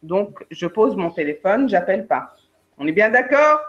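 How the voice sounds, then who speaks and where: A woman's voice: medium pitch, moderate pace. Woman coaching on a lo-fi webinar. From Algeria. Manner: lively, addresses participants directly, acts out examples. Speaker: career coach and trainer. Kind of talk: live webinar coaching talk. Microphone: video call. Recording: dull lo-fi online webinar audio.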